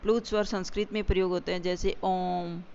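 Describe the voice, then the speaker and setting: A grammar teacher explaining definitions step by step, repeating key points and slowing down for examples. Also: medium pitch, little pitch movement, darkish tone. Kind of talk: exam-prep grammar lesson. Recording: dull lo-fi recording with faint hiss.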